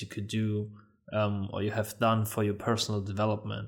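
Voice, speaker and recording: A man speaks with a non-native accent. His voice has a medium pitch. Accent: non-native English, good. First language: German. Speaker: podcast host. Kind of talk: interview. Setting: remote call.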